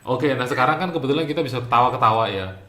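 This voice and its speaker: A man's voice: medium pitch, racing. Inquisitive man hosting in an echoey room. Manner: inquisitive, lively, laughs easily. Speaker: host. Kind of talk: casual health interview.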